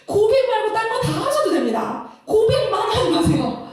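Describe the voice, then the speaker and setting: Woman, high lively voice, Christian counselor, animated lecture, laughs a lot, very echoey room, a bit off-mic. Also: moderate pace, far from the mic. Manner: animated, laughs often, acts out couples' lines. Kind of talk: lecture-style talk.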